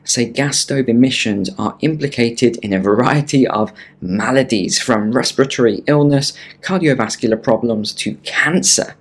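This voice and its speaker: A man presenting chatty, wry news commentary in a casual conversational way, recorded in a small room. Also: medium pitch. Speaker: online video presenter. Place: small room in a beach bungalow.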